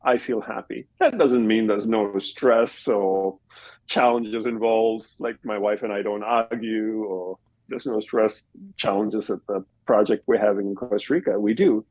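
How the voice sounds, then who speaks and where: Male guest from Australia, low-pitched and breathy, reflective and explanatory; dry close recording. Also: steady tone, a little slow, a little mellow, no room sound, rough recording. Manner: reflective, explains in plain step-by-step examples. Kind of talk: relaxed conversational interview answers. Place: home in Costa Rica.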